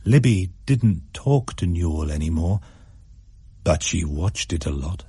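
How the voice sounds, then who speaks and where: Low husky male storyteller. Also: animated, warm tone, no echo. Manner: measured, suspenseful storytelling. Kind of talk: scripted story narration.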